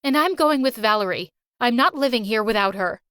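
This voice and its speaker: A gentle, kind-hearted mother, voiced by a woman narrator, a little lower and quieter than the narrator's own voice. She speaks in a soft, tender way. The recording is dry and close-up. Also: expressive, a little fast, clear, resonant tone, no echo.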